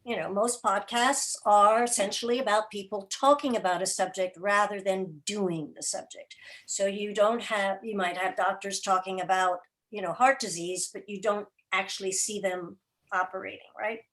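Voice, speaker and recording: A woman answering as an interview guest, explaining things deliberately and emphatically in short, broken phrases. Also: mid-range voice, steady tone, fairly bright tone, low-quality recording. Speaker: guest, radio drama and podcast producer.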